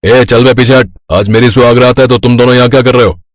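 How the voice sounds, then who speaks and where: A man's voice: medium pitch, fairly even intonation, fast, dry recording, close to an everyday voice. A man voicing a bossy, quarrelsome young elder brother in a cartoon story, pushy and commanding. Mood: angry, bossy.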